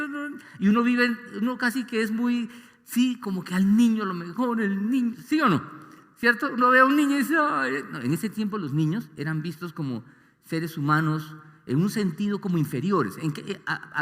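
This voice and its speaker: Animated man preaching in a reverberant hall. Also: high-pitched. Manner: animated, asks the congregation questions, mimics voices. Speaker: pastor. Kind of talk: sermon. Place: large church hall.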